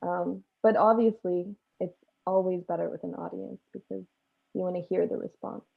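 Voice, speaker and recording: A woman's voice: fairly low pitch, fairly even intonation, normal speed, gravelly, breathy edge, narrow, tinny audio. A woman chatting casually as an interviewed performer, heard through thin call audio. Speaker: stage performer being interviewed. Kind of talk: casual chat.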